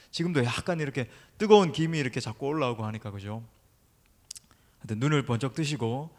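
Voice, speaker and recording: Middle-aged male pastor, emphatic sermon delivery, slightly high voice, long church-hall reverb. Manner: emphatic preaching, addresses the congregation directly. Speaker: senior pastor. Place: church sanctuary during an evening service.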